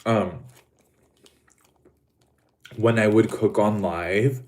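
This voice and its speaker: A man's voice: fairly low pitch, fairly even intonation, drawn-out words, a little mellow. A man hosting a casual livestream, talking in a dramatic, camp way to his viewers while he eats. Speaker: livestream host.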